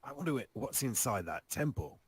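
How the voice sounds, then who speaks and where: A man voicing a classy, cautious, melancholy undead adventurer in a tabletop game, speaking formally and with measured politeness. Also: mid-range voice, sing-song, breathy edge, no echo, voice pushed up. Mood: grave, pensive.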